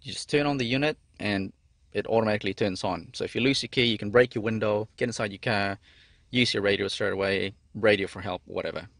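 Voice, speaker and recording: Aussie guy doing a laid-out diy how-to, casual, lowish voice w lots of gravelly creak. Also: fast, fairly bright tone, no room sound. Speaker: how-to presenter. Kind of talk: casual hands-on DIY tutorial narration. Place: in and around a car.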